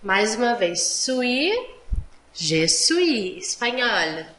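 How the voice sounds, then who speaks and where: Woman teacher going thru french examples slowly, kinda high voice, echoey room. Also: very animated, fairly bright tone. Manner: slow, patient explaining; mixes Portuguese explanations with French examples. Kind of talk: online language lesson.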